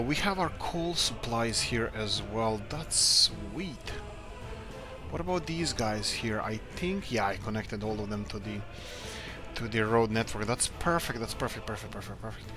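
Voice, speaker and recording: Male let's-player, mid-pitched, rambling upbeat self-talk, with game music clearly underneath. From Croatia. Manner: rambling, thinks aloud, upbeat muttering. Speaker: let's play host. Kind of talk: casual gameplay commentary.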